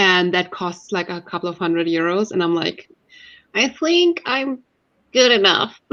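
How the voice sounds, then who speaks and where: This woman speaks with a non-native accent. Her pitch variation is ordinary. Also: medium pitch for a woman, moderate pace. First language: not English. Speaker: book YouTuber. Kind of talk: casual chat. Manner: hesitant, many fillers.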